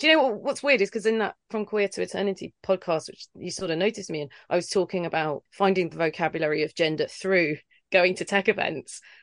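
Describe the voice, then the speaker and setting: A woman with a London accent talks very fast at a medium pitch, her intonation lively and her loudness swinging widely. The sound is dry and close with no echo, over a quiet background. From London, England. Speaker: actor. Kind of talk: casual interview chat.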